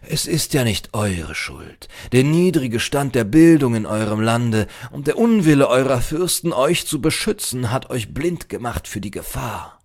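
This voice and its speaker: A man's voice: medium pitch, sing-song, measured pace, few pauses, darkish tone, voice pushed up. A man voicing a preachy, self-certain old librarian in a storybook, with a pompous, archaic, lecturing manner. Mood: reproachful, certain.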